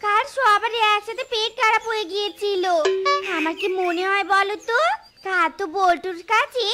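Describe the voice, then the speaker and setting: Woman voicing a fretful high jackal wife. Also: steady tone, moderate pace. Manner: fretful, lamenting. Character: worried clever female jackal wife. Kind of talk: cartoon voice acting.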